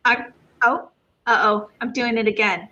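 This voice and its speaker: A woman casually moderating a panel, lively and questioning, with some background noise. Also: a little high, measured pace, dull audio.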